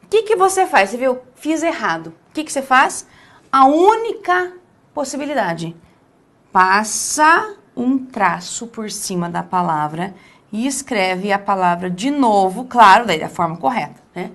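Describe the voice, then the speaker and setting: A woman with a Brazilian Portuguese accent teaching a lesson on essay writing, stressing key words by drawing them out slowly and checking in with the listener often. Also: a little high, lively intonation, fairly bright tone.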